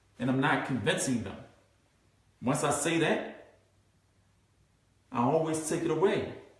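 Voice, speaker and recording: Audible room echo surrounds a man speaking in an animated tone with ordinary pitch variation. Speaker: sales team trainer. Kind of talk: training session. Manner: projects voice, confident.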